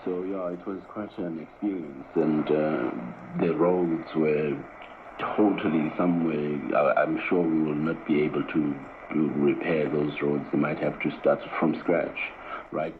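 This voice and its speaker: A man's voice: rumbling low, steady tone, unhurried. A man talking conversationally on the radio, heard through a small radio speaker with muffled, noisy reception.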